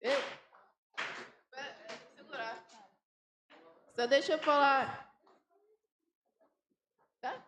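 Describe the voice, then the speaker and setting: Woman, Brazilian Portuguese accent, high voice, slow unhurried delivery, chants and claps rhythms, echoey church. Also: fairly even intonation, a bit bright. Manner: demonstrative, chanting and clapping rhythms. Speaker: missionary teaching a song. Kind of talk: teaching a congregation a song. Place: church sanctuary. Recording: echoey church room, faint noise.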